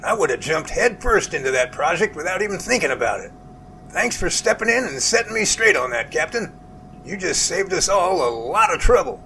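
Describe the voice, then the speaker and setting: A man playing a jovial, earnest research professor in an amateur audio drama, with animated, folksy phone talk. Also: high-pitched, moderate pace, creaky, slight background noise, exaggerated voice, low-quality recording. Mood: surprised, folksy.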